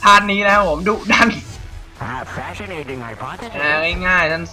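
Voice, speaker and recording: A man giving casual let's-play commentary as he plays, excitable, exclaiming often and swearing casually. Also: a little high, slow pace. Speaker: gamer. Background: game music.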